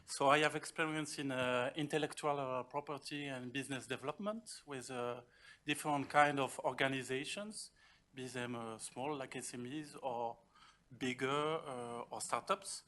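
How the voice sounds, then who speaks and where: A man with a French accent introduces himself as a panelist. His voice is bright and forceful at a middling pitch, while his phrasing is informal and halting. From France. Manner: halting, hesitant delivery. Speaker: panelist, company director.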